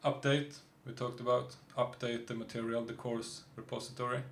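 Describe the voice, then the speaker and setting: Recorded with audible room echo, a man speaks in a monotone, flat intonation. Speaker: teacher. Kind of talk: tutorial.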